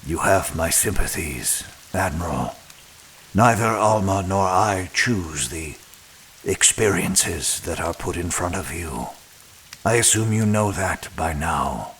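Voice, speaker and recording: A deep-voiced, unhurried keeper of a mysterious manor in an audio drama. He is formal, composed and evasive, weighing every phrase, with rain-like hiss behind him. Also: lively intonation, fairly bright tone, heavily acted. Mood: cool, guarded. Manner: formal, measured, guarded.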